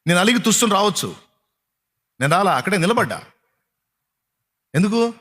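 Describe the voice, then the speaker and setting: A man's voice: high voice, big pitch swings, normal speed, a bit bright. A man preaching a sermon, firing rhetorical questions at his listeners and mocking their complaints.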